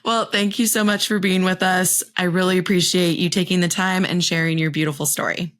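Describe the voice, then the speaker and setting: A woman's voice: lowish voice, steady tone, a little fast, fairly bright tone. A woman hosting a podcast in casual chat, frank and playful and swearing freely. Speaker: podcast host.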